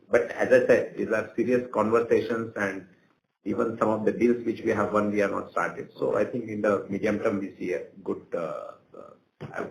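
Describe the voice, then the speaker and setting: A man speaks in a low register with a creaky edge. He answers questions on an earnings call in halting phrases. The room adds noticeable echo. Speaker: company executive. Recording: roomy echo, faint background noise.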